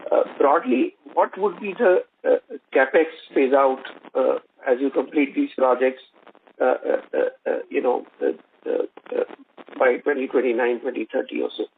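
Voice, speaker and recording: A man comes through a narrow, tinny phone line with faint noise. He sounds like an analyst on a conference call, halting often, with a gravelly creak in his voice. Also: medium pitch. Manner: halting, hesitant phrasing with many repeated uhs. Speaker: analyst asking questions on an earnings call. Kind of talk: business conference call questioning. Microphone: telephone conference line.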